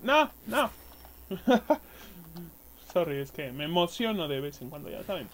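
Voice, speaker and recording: A young Mexican man doing casual gameplay commentary, excitable, swearing and yelling at enemies. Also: fairly high pitch, a little slow. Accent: Mexican Spanish. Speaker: gaming youtuber.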